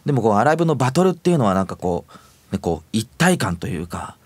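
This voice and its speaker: A male voice actor playing a gentle, earnest young idol who speaks politely and thoughtfully on a web radio show. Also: on the low side, very animated, fast talker, no room sound. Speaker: member of a virtual dance-vocal group. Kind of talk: casual radio talk in character.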